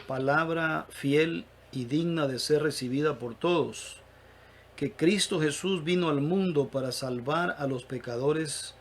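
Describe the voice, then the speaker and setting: A man's voice: on the high side, a little hiss or hum. A man hosting a church talk, thanking a guest preacher with fervent bursts of praise. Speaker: pastor host.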